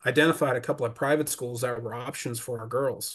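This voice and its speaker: Against a quiet background, a man speaks at a medium pitch in a somewhat breathy voice. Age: 40s. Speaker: personal trainer. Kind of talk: casual chat. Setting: video call. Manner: halting.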